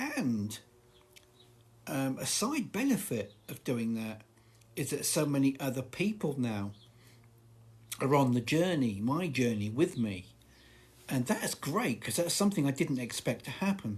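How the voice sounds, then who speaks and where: A man with a medium pitch and a somewhat breathy voice speaks at a fairly slow pace, his pitch swinging very widely, with long, frequent pauses against a quiet background. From England, Norfolk. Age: 60s. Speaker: live streamer discussing alcohol addiction. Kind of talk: live stream Q&A reading comments. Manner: casual, conversational.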